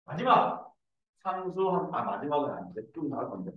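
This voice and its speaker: A male math teacher lectures in a slightly raised voice, breaking into animated, joking stories. He sounds set back from a dull-toned mic. The room around him is echoey. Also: fairly high pitch, fairly quick, distant mic. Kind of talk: lecture mixed with casual anecdotes.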